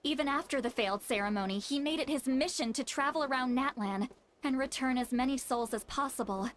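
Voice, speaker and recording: A woman voices Citlali, a blunt, solemn tribal shaman in a video game, explaining things with knowing, commanding authority over music. Her high-pitched voice is brisk and lightly acted, the mood grave, with a little hiss or hum in the recording.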